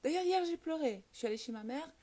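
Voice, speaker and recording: Lively French woman chatting on a live stream. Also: high voice, quick pace. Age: adult with children. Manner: lively, laughs often, many fillers. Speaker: host of a live stream on the law of attraction. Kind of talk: casual live chat answering viewer comments.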